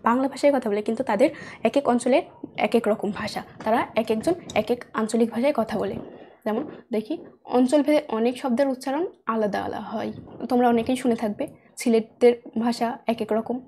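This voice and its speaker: Young female teacher with a standard Bangladeshi Bengali accent, patient and repetitive, mellow voice, faint hiss. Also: fairly high pitch. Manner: explains patiently, repeating points. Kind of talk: classroom lesson narration. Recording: faint background noise with clicks.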